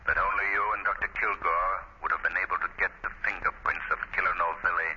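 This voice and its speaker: An actor playing a suave, mocking, shadowy crime-fighting avenger with theatrical, measured delivery in a 1930s radio drama. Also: male voice, low-pitched, steady tone, close to an everyday voice. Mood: menacing, mocking. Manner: theatrical, commanding, measured enunciation. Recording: muffled, faintly noisy 1930s radio recording.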